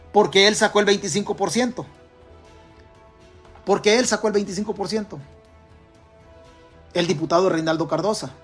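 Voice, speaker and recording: A man with a Salvadoran Spanish accent delivers an emphatic political monologue, throwing question after question at his listeners. His voice sits high for a man and sounds husky, with faint music playing underneath. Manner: emphatic, fires rhetorical questions at the audience. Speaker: political commentator. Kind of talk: direct-to-camera political commentary.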